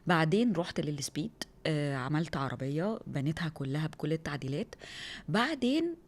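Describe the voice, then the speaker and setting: A woman in her thirties with an Egyptian Arabic accent, a rally driver telling her story in a lively, excitable way as an interview guest. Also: low voice, a little fast. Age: 30s. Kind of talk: casual interview talk.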